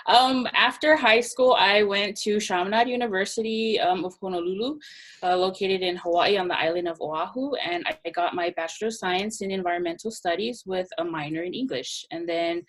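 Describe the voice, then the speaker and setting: Young woman from American Samoa, slightly low voice. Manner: earnest, detailed, self-correcting. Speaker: interviewee, graduate student. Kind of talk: casual interview answers.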